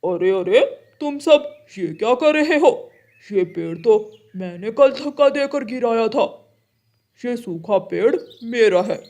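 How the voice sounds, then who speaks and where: A woman doing a loud gloating bully crow. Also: a little high, animated, takes it slowly. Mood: bossy. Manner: gloating, loud, with mocking laughs. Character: boastful bullying male crow, greedy.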